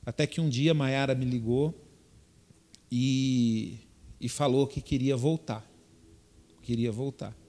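A man's voice: medium pitch, steady tone, takes it slowly, long pauses, dark tone. An older man, a pastor telling a testimony story in a sermon, often turning to the congregation and repeating himself as he goes.

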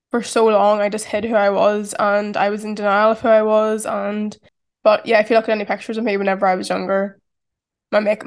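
A woman in her twenties with a strong Irish accent, talking through a casual, reflective solo podcast and saying "like" often. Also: medium pitch. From Ireland. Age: 20s. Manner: chatty, reflective, heavy use of "like". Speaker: podcast host.

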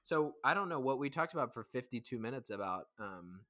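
A man's voice: mid-range voice, animated, brisk, pushed and bright. A man co-hosting a podcast in a casual live stream chat, running loosely through recaps of past episodes. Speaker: podcast co-host.

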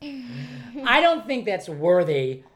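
A middle-aged man and father, talking loudly and joking through casual family stories. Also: very high-pitched, very animated, drawn-out words. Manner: loud, joking, storytelling. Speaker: podcast host and father.

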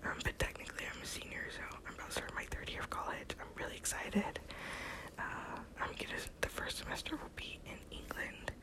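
A twenty-year-old American woman whispering a casual, rambling ASMR personal update in a soft, breathy voice. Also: fairly quick. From Texas, United States. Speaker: ASMR video creator.

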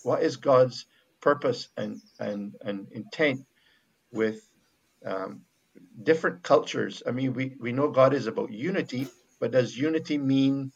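Bajan guy talking faith, gravelly, kinda muffled recording, slow to find his words. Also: mid-range voice. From Barbados. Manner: reflective, halting with many restarts. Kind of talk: casual faith conversation.

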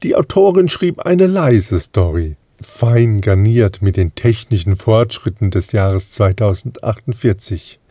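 Brief: male podcast host, warm and unhurried, dry studio sound. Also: fairly low pitch, expressive, dry recording. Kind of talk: scripted introduction.

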